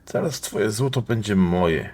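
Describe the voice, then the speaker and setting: Mad innkeeper: huge, bestial, menacing, slow and wildly swooping from mutter to roar, audiobook horror. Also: male voice, lowish voice, expressive, dark tone. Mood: gloating, mad. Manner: roaring, wild mirthless laughter. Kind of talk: dramatized audiobook acting.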